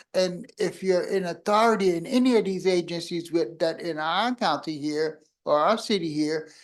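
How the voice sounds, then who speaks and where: A man with an American accent, high in pitch, at a moderate pace with hardly any pauses, over a quiet background. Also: ordinary pitch variation. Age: 60s. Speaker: mental health advocate speaking at public comment. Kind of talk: public comment at city meeting. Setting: city commission meeting. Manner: halting.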